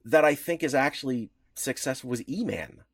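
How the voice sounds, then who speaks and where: A man's voice: mid-range voice, animated, moderate pace, no room sound, studio quality. A man co-hosting a podcast, explaining comics history in a rambling, enthusiastic way with many restarts. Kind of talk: casual podcast chat.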